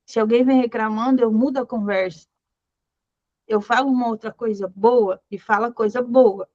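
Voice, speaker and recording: A fairly high-voiced woman leads a Bible study and encourages her listeners, repeating short phrases and reading verses aloud. The sound is dry and slightly dull. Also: steady tone, normal speed, darkish tone, no room sound. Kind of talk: devotional teaching.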